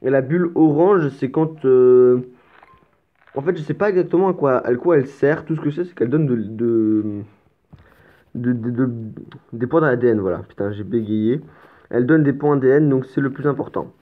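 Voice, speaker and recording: A man's voice: medium pitch, brisk. A man commenting on his strategy game as a let's play host, explaining casually with stammers and the odd curse. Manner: chatty and explanatory, with stammers and mild swearing. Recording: tinny, phone-like lo-fi sound.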